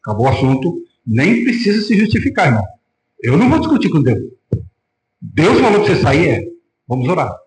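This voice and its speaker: Brazilian pastor guy preaching, kinda high voice, lots of room echo. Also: fairly quick, slight background noise. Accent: Brazilian Portuguese. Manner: animated preaching, acting out quoted voices. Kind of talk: sermon. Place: church hall. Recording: echoey church room.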